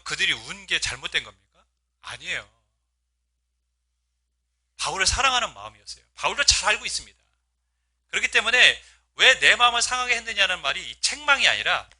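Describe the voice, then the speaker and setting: A man's voice: high-pitched, very animated, brisk, pauses often, pushed and bright. A male pastor preaching a sermon, asking his congregation rhetorical questions and acting out quoted speech with feeling. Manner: voices quoted speech with rising emotional emphasis.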